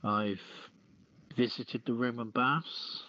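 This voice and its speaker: A man hosting a podcast, reading aloud and chatting casually in a halting, list-like way. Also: medium pitch, fairly even intonation. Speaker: podcast host. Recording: muffled lo-fi audio, roomy echo.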